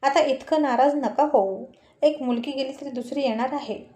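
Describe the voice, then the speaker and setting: A woman's voice: sits high, moderate pace, dark tone, echoey room, natural voice. Woman voicing teasing old grandfather. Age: older. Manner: teasing, scolding.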